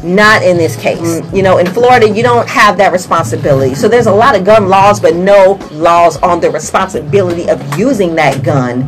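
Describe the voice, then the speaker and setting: A woman's voice: lowish voice, a little fast, few pauses, music in the background. An American woman co-hosting a radio show, giving news and commentary in a casual way. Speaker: radio co-host. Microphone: studio microphone on boom arm.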